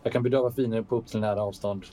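A man's voice: on the low side, steady tone, mellow, slight background noise, low-quality recording. A man playing his character in a tabletop role-playing game, with hesitant, short answers and restarts. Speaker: player. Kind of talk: casual tabletop role-play.

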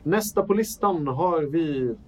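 A man running a tabletop role-playing game as game master, narrating the action with lively energy. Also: on the high side. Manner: lively, acts out panicked shouts.

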